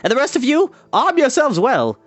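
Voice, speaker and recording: A man voicing an excitable, boastful wandering bard who talks in a breathless rush. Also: extremely high pitch, normal speed, pitched above the performer's own voice, heavily acted. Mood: excited.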